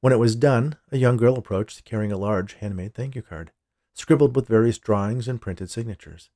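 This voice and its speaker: A man's voice: on the low side, normal speed, dark tone, no echo, clean studio sound. A man narrating a scripted short story as the storyteller. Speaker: writer and narrator of a fiction podcast.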